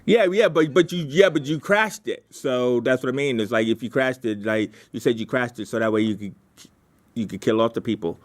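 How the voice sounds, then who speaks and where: Running a writers' meeting, a man thinks out loud and brainstorms in a mid-range voice. His talk is informal and halting, full of repetition.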